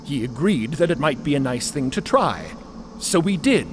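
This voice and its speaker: An earnest man asserting his own life in an audio drama. His voice is fairly high and very expressive, delivered slowly and with assurance. There is clear ambient noise behind him. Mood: pained, candid. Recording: noisy ambient sound bed behind voice.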